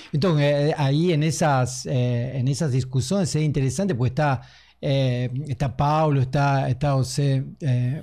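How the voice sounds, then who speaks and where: A man with an Argentine accent speaks at a fairly slow pace in a fairly high, somewhat breathy voice with a dark, mellow tone, fairly even intonation, and very even loudness. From Argentina, Rosario. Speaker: philosophy professor. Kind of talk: interview conversation. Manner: hesitant, many fillers.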